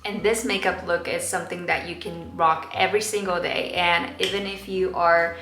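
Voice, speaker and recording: A woman in her twenties from Japan, speaking English with a Japanese accent in a soft, relaxed way while talking through a makeup tutorial. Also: fairly low pitch, moderate pace, soft background music. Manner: soft-spoken, relaxed, many fillers. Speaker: makeup vlogger and dancer. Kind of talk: casual makeup tutorial talk. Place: home bathroom, indoors. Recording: roomy bathroom echo.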